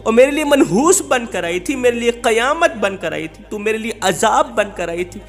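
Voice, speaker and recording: A man doing an angry husband in a spoken religious tale, high-pitched, ranting and insulting, hammering the same phrases over and over, faint music underneath. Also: lively intonation, a bit bright. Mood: scolding. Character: harsh scolding husband, a grown man.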